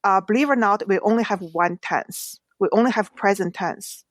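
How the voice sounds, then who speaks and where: A woman's voice: mid-range voice, normal speed, dry recording. A middle-aged woman with a Chinese accent, a non-native English speaker whose first language is Chinese, explaining things earnestly with examples as an author guest on a podcast. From China. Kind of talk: podcast interview.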